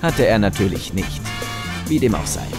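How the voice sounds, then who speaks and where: A man's voice: lowish voice, expressive, moderate pace. A man narrating a scripted comic audio drama with wry storytelling. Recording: loud music under narration.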